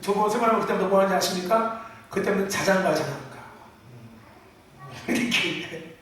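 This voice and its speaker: A middle-aged man preaching a sermon, calling out to the congregation often and mixing loud emphatic bursts with chuckles. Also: sits high, animated, racing, slight background noise. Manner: emphatic preaching with frequent call-outs to the congregation. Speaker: pastor. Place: church sanctuary. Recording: echoey church hall from far off.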